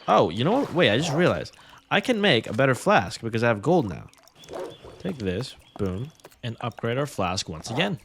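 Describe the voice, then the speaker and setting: A young man with a mid-range voice talks through his gameplay in a loose, rambling way, joking to his viewers. Soft game music plays faintly underneath his voice. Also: medium pitch. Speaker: gaming creator. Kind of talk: let's play commentary.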